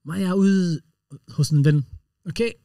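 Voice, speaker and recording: A man co-hosting a podcast, telling stories in an excitable, slangy way with English words mixed in. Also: high voice, no echo, studio quality, far from the mic. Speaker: podcast co-host. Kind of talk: casual storytelling chat.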